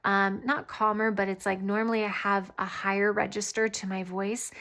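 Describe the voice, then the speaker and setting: A woman host giving a casual channeled spiritual reading, often pausing mid-thought as if listening. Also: medium pitch, level tone, fairly bright tone. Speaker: tarot reader and channeler, host.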